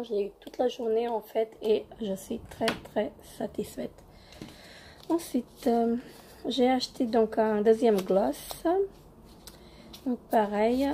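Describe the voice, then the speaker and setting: Slow, hoarse young woman reviewing makeup. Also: fairly high pitch, background noise. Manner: hesitant, many fillers and repeated words. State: hoarse from a cold. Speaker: beauty vlogger. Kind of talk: casual product review.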